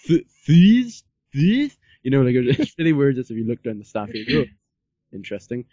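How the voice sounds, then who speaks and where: Male podcast host, casual and rambling, mellow tone, muffled lo-fi audio. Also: mid-range voice, big pitch swings, moderate pace, dry recording. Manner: rambling, repeats himself, peppers talk with "like". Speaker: podcast interviewer. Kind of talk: casual interview chat.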